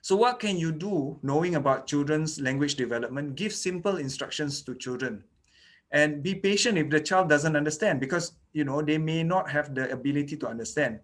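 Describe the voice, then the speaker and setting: A man's voice: a little high, fairly quick. A man whose first language is Malay, giving an online lecture on child dental care, explaining step by step with frequent "okay" and "you know". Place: indoors, online lecture recording.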